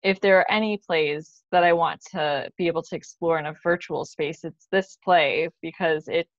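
A woman's voice: low-pitched, steady tone, moderate pace, no echo, highs cut off. A young woman speaking as a guest in an informal, candid, conversational way over a video call. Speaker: playwright, guest. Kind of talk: casual conversational explanation. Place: living room at home. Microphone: computer mic on a video call.

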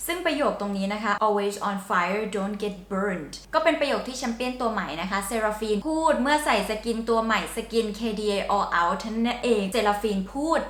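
A woman's voice: medium pitch, lively intonation, normal speed, few pauses, fairly bright tone, echoey room. A woman hosting a channel, explaining song lyrics and slang in a chatty, playful way. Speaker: song translator, channel host. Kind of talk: casual explaining lesson.

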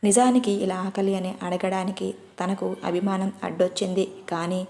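A woman's voice: medium pitch, little pitch movement, moderate pace, a little mellow. A woman narrating a love story in a chatty way, with small asides to the listener. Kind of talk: scripted narration.

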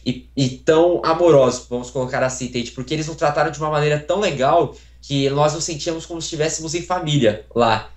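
A man's voice: on the high side, quick pace, few pauses, reverberant. A young man from Brazil talking casually on a video call from a small room at home, grateful and rambling with many fillers and restarts. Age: young adult. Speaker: interviewee, voice acting contestant. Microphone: phone camera, video call.

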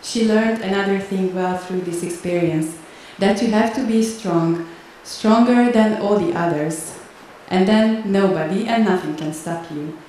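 A middle-aged woman from Hungary reads a personal monologue aloud in a steady, deliberate voice. Her tone is mellow and dark. She sounds distant from the recording in a big hall with heavy echo. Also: mid-range voice, slight background noise. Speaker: spoken-word performer. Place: large wooden-walled hall. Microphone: stand mic.

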